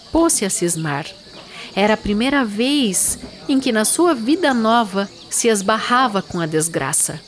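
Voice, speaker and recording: A woman narrating a literary story for an audio drama in a measured, solemn way. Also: a little high, a little hiss or hum.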